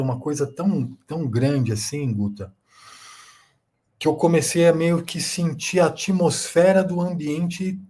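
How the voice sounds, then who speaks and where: A man with a Brazilian Portuguese accent, his voice a little husky and pitched a bit high, tells a personal testimony in conversation. He rambles, circles back on his words and leans on small fillers as he goes. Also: a little mellow. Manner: rambling, repeats words, many fillers like "assim". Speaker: guest.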